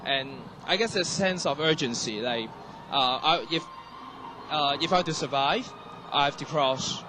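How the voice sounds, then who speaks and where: A young man from Hong Kong with a Hong Kong accent and Cantonese as his first language. He speaks haltingly as a panel guest, with many restarts and fillers. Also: on the high side. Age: young adult. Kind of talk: panel discussion. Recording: noisy room.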